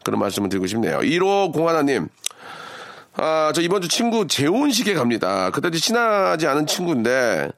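A man's voice: fairly high pitch, big pitch swings, brisk, creaky, fairly bright tone, dry recording, studio quality. A man hosting a radio show, chatting playfully and straight to listeners while reading out their messages. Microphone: studio microphone.

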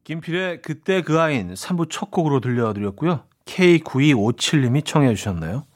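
Friendly radio DJ man, higher voice. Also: animated, moderate pace. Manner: chatty and friendly, reading out listener messages. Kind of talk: radio music show hosting. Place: radio studio.

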